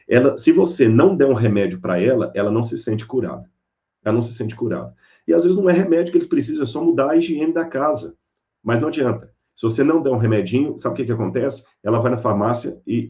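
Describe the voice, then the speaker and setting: The recording is muffled, carrying a man's medium-pitched voice. He's a preacher giving a sermon-style Bible lecture, animated as he narrates stories and acts out the figures in them.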